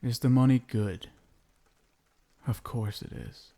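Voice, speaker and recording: Vampire husband, male actor, ASMR roleplay: obsessive and doting with menace underneath, dark mellow tone, gravelly fry, hushed intimate delivery. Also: medium pitch. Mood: doting, menacing. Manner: hushed, crooning, lingering pauses, tender pet names. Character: possessive, lovestruck yandere vampire husband, menacing yet doting.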